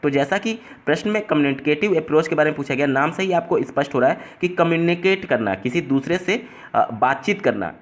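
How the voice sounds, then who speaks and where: A man with a somewhat high voice tutors his way through an exam paper. He explains step by step and rephrases each term in plainer words. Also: lively intonation, a little fast. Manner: explains step by step, restating terms in simpler words.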